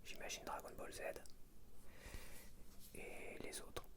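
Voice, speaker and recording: Whispering man, casual ASMR chat. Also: slow. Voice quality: unvoiced soft whisper. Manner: rambling, self-correcting, informal. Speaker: ASMR video creator.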